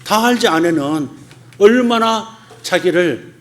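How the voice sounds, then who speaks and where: A middle-aged pastor preaches a sermon slowly and expressively, speaking colloquially and animatedly. He laughs often and acts out quoted voices in sudden loud, high bursts.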